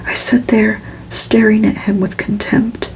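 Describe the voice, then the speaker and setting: A woman reading a book aloud as ASMR in a hushed, breathy whisper with crackly edges. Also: mid-range voice. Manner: slow, hushed, even delivery. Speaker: ASMR reader and host.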